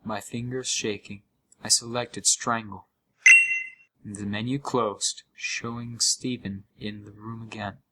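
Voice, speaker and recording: Creepypasta audio drama narrator, male actor: haunted gamer, lowish tense voice, dramatic pauses, slightly noisy recording. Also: flat delivery, bright, forceful tone. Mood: stunned dread. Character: haunted male gamer recounting a horror story.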